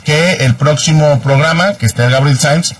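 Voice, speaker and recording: A man hosting a sports radio show, friendly and brisk as he takes calls and wraps them up. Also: a little high, breathy edge, no room sound, distant mic. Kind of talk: casual sports radio talk.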